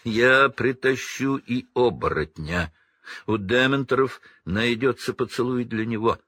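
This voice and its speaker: A man's voice: mid-range voice, a bit bright, no echo, studio quality, voice pushed up. A man voicing a cold, vengeful middle-aged male professor who hisses and drawls menacingly, in a storybook reading. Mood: furious. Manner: hissing, menacing, slow drawl.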